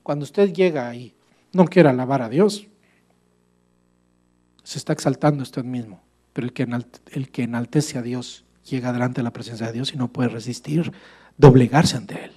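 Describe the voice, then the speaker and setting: A pastor with a mid-range voice preaches a sermon to his church at normal speed. He is animated, asks rhetorical questions, and addresses listeners as brother.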